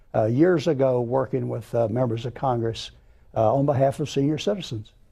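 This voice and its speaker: The voice is somewhat breathy and dark, mellow in tone, with ordinary pitch variation. It moves at a moderate pace against a quiet background. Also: man. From Florida, Fort Lauderdale. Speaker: advocacy group leader. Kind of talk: TV call-in interview.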